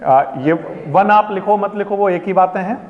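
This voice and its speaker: A man's voice: sits high, normal speed. A man teaching a classroom maths lesson in Hindi mixed with English words, asking his pupils questions and then answering them himself. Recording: dull echoey classroom recording.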